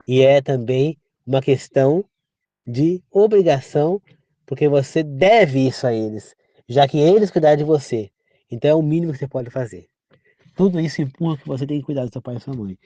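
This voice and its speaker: A man's voice: mid-range voice, dark tone, dry recording. A man from Brazil giving an informal sermon, earnest and repetitive, often turning to the listener with direct questions. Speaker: preacher. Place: rural home.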